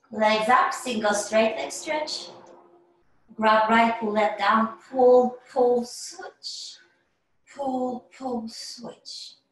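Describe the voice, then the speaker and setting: Her voice is fairly high, with ordinary pitch variation and big swings in loudness. The woman talks at a very slow pace amid audible room echo. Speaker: fitness instructor. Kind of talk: live fitness class instruction, cueing exercises and counting reps. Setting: gym studio, filmed class with camera. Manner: brisk, rhythmic, clipped cueing with steady counting; encouraging, calm and paced, slowing down for stretches. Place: home room. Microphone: camera far.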